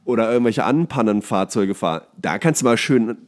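A man's voice: on the low side, lively intonation, a little fast. A man co-hosts a podcast in a loose, conversational way. He rants with ironic exaggeration and slangy, sometimes sweary phrasing, keeping a casual comic tone. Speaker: podcast host. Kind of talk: casual comedic chat.

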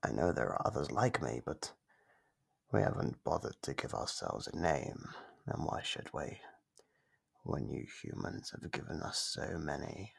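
An ancient monster acted out by a man murmurs low and slow in an ASMR horror roleplay. The voice is gravelly and breathy, often slipping into a whisper as it toys with its prey, playful and menacing. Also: sing-song, full character voice. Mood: gloating menace. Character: ancient monster under the bed, sinister, playful, taunting.

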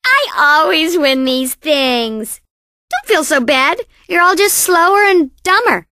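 A woman's voice: sits high, sing-song, takes it slowly, bright, forceful tone, dry recording, studio quality, full character voice. A woman voicing a perky, cocky young female bandicoot racer in a video game, with a sassy, boastful, exaggerated cartoon delivery. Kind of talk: video game character voice lines.

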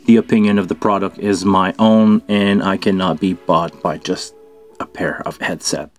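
A man's voice: sits low, steady tone, normal speed, soft background music. A middle-aged man casually hosting a product unboxing and review, thinking aloud in an informal way as he goes. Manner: informal, thinking aloud while handling gear. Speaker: video host, product reviewer. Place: small indoor studio at a table.

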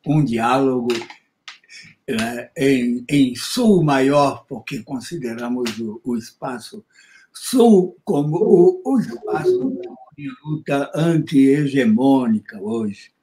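A man in his seventies with a Brazilian accent, chatting as an interviewer in a halting, rambling way, repeating words, on a video call. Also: mid-range voice, very animated, dark tone, a little hiss or hum, low-quality recording. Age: 70s. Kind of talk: informal interview conversation. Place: indoors in a room with bookshelves, on a video call. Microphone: video call microphone.

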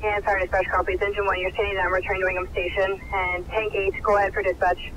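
A man's voice: sits high, flat delivery, fast, sharp tone. A man working as a fire dispatcher, heard over a radio, reading back calls and times in clipped dispatch style. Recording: muffled radio with static noise.

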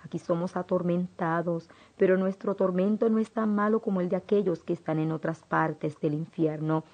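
A woman's voice: fairly low pitch, fairly even intonation, moderate pace. A woman reading a despairing woman prisoner. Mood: hopeless. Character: hopeless woman prisoner in a cell. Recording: dull lo-fi audiobook audio.

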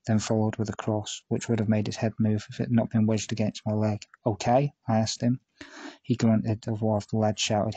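In a lowish, mellow voice, a man narrates his own first-person true-crime memoir as an audiobook. He tells it steadily, adding dry, self-aware asides, and the recording is dry.

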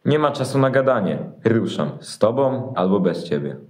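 Man playing an earnest, eager shepherd, lowish voice. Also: sing-song, normal speed. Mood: determined. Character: eager, determined shepherd urging action. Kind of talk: Christmas nativity audio play acting.

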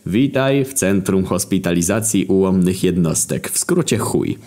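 A man voicing a calm, politely menacing male doctor in a comic story reading. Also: deep voice, moderate pace. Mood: smug.

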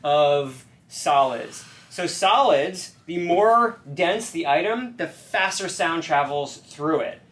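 Bright, animated American man explaining science. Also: a little high, takes it slowly, few pauses. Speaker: science presenter. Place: small cluttered workshop, indoors.

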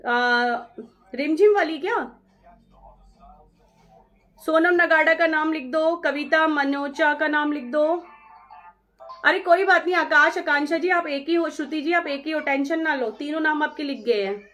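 Brief: young woman, high voice, live-stream seller, friendly and brisk, reads out viewers' names, mixes in English, soft music underneath. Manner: mixes English phrases into Hindi. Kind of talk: live-stream sales chat.

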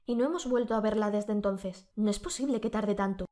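A woman's voice: medium pitch, a little fast, natural voice. A woman voicing an anxious, brusque young husband calling out to his wife. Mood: worried. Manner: urgent, calling out loudly.

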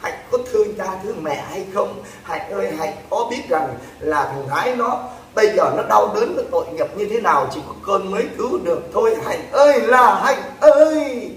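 Guy doing an old grandpa begging, guilt-trippy, kinda high, echoey. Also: animated, normal speed, distant mic, slight background noise. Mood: pleading. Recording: roomy echo, off-mic.

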